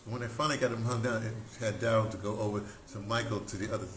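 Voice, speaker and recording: This older American man produces radio drama and hosts talk shows, and here he excitedly tells casual, rambling stories full of fractured, repeated phrases. His voice is lowish and his pace quick, with a roomy echo and clear background noise in the recording.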